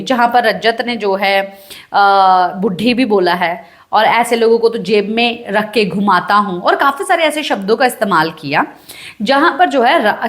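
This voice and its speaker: A woman giving casual gossip commentary on a reality show, retelling events in an animated, chatty way with many filler phrases. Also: fairly high pitch.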